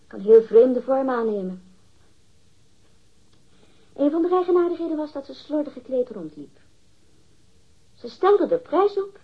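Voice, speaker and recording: Husky, catty woman witness. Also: fairly high pitch, exaggerated voice. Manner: disdainful, prickly, emphatic. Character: catty, defensive woman witness gossiping about her former roommate. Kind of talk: acted radio drama dialogue. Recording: dull, muffled lo-fi radio recording.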